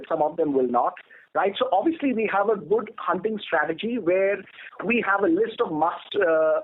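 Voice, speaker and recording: Very high-pitched male executive over telephone. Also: husky. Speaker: company executive. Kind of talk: earnings call answers. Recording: narrow telephone conference line.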